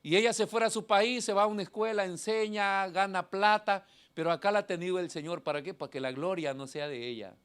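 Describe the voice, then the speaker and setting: A middle-aged male pastor, preaching a sermon in a church hall. He has a thin, nasal voice and swings from shouting to quiet asides. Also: high voice, fairly quick, hardly any pauses, clean tone.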